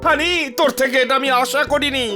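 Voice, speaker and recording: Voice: high-pitched, fairly even intonation, fairly quick, over music, natural voice. An actor voicing a self-pitying cartoon bank manager who laments in a theatrical, sing-song way. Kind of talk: cartoon dub acting.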